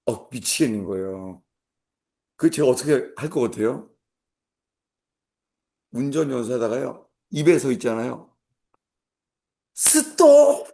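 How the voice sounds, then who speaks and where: A middle-aged pastor preaching at a mid pitch, his voice rough and gravelly. He tells a personal story with comic asides and now and then bursts out with mock commands. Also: moderate pace, long pauses, dark tone. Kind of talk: sermon.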